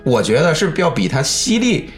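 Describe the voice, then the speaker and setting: Male, Beijing accent, conversational explainer, animated intonation, music underneath. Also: on the high side, moderate pace. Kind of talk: casual chat, explaining at length. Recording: music bed behind the talk.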